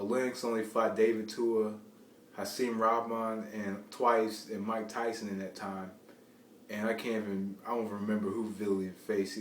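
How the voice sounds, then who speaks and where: Male amateur boxing commentator, rambling and repetitive, fairly low voice, recorded off-mic with faint noise. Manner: rambling, halting, repeats phrases to restart. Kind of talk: informal unscripted sports commentary. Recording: roomy, distant mic, faint background noise.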